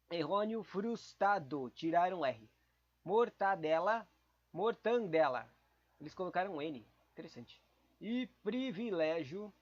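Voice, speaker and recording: A man with a fairly high voice talks to himself through study notes, casual and a bit confused, muttering his way through examples. The recording is dull and lo-fi. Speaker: podcast host studying for exams. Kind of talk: thinking aloud while studying.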